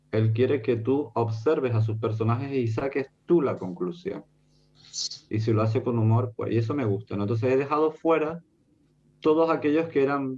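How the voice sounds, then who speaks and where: In a Canarian accent, a man speaks at medium pitch and a moderate pace, with ordinary pitch variation and a dark, mellow tone. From Canary Islands, Spain. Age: 60s. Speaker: author. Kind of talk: book presentation interview. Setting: video call.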